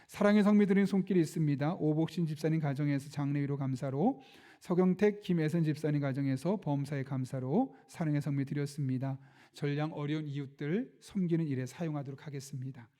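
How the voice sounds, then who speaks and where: Man, pastor, middle-aged, sermon storytelling, somewhat high voice, mellow tone. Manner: storytelling, acts out quoted speech. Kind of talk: sermon with announcements and prayer.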